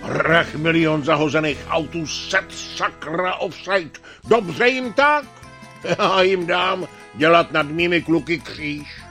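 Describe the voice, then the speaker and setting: A man's voice: a little high, expressive, sharp tone, soft background music. A man voicing a boisterous old father who runs a football team, bellowing and gloating.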